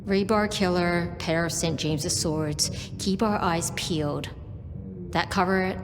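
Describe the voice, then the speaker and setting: An actress playing a curt, deadpan and dismissive office gatekeeper in a noir video game. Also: female voice, lowish voice, unhurried, lightly acted. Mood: dismissive, sardonic. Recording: long reverb, clear background noise.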